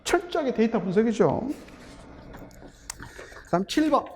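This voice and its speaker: A man's voice: very high-pitched, sing-song, measured pace, a little mellow, a little hiss or hum. A man teaching linguistics for a teaching exam, explaining step by step and asking rhetorical questions, with terms. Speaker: English linguistics instructor. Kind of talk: exam-prep lecture. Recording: long hall reverb.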